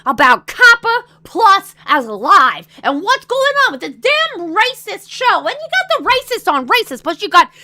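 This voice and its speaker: A woman's voice: very high voice, big pitch swings, unhurried, few pauses, bright, forceful tone, voice pushed up, exaggerated voice. A woman putting on a rowdy Canadian man from Ontario who rambles crudely with lots of fillers. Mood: rowdy, mocking.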